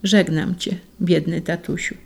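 A reader voicing a grieving gentle boy. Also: mid-range voice, steady tone, a little slow, creaky. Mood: tender grief.

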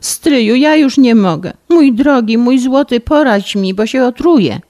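A woman's voice: animated, a little slow, darkish tone. A woman putting on a tearful, spoiled young woman. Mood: tearful, exasperated. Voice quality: high, tearful, pleading. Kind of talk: audiobook reading.

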